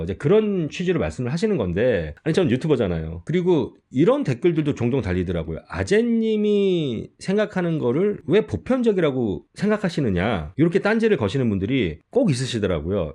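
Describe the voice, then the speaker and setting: Emphatic man with a lively, mellow voice. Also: mid-range voice. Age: middle-aged. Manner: animated, emphatic, argumentative. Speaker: YouTuber sharing life-abroad stories. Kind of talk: casual talk to camera.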